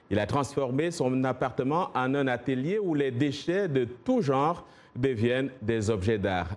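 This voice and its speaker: Male news anchor, mid-range voice, formal and smooth studio delivery. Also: medium pitch, a little mellow. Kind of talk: news presenting.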